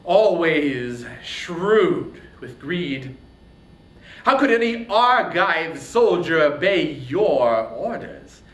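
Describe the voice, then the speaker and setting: A man performs a furious, headstrong hero of ancient epic. His high, swooping voice declaims with scorn and indignation, ringing in a roomy, echoing space. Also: sing-song, drawn-out words, fairly bright tone, heavily acted. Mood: indignant fury. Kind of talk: dramatic reading of epic poetry.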